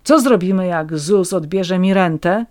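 A woman's voice: lowish voice, unhurried, darkish tone, lightly acted. A woman doing a curt, grumpy son-in-law. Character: grumpy middle-aged man, curt and practical.

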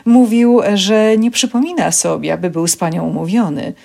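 A woman's voice: mid-range voice, moderate pace, creaky, warm tone, pitched above the performer's own voice. A woman reading a novel aloud, voicing a cheerful, chatty young receptionist in an office. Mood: eager.

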